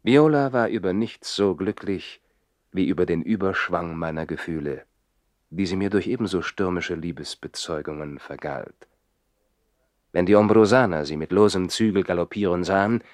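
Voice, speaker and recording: A passionate, lovesick nobleman played by a man in a 1960s radio drama. His voice sits fairly low in a dry studio. He speaks theatrically, as one torn between reflection and feeling. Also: no echo, lightly acted. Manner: theatrical, swinging from reflective telling to anguished outbursts. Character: passionate, lovesick nobleman who lives in the trees. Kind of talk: 1960s German radio play acting, narrating and dialogue.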